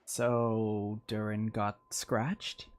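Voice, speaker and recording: A woman's voice: extremely low pitch, little pitch movement, extremely slow. A woman livestreaming a game with casual, rambling, exclamatory commentary. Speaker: game streamer.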